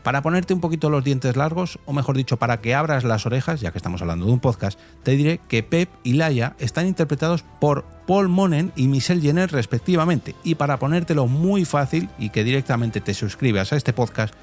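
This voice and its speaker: A man's voice: mid-range voice, lively intonation, a little fast, hardly any pauses, a little mellow, soft background music. A man from Spain with a Spanish accent hosting a podcast, explaining things conversationally and addressing listeners directly with rhetorical questions. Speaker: podcast host. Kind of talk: conversational podcast commentary on survey results.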